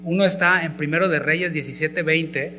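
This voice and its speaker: Animated pastor preaching over hum. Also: male voice, a little high, moderate pace. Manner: animated, mimics gossiping church members in quoted asides. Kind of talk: sermon. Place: church hall. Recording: live church recording with mains hum.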